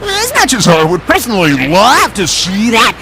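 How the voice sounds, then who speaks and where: Vain car TV presenter for a racing game, pompous, exasperated, swooping wildly, pitch-shifted over loud music. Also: male voice, wildly swooping pitch, normal speed, full character voice. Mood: smug, showy. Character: vain, easily flustered male race car show host. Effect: pitch-shifting voice changer. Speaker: sports show host. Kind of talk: animated game cutscene acting, TV presenting.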